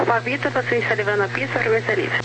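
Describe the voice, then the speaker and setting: A man with a Brazilian accent working as a tower controller, giving rapid instructions over aviation radio. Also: very high voice. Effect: radio transmission. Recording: noisy radio channel with hum.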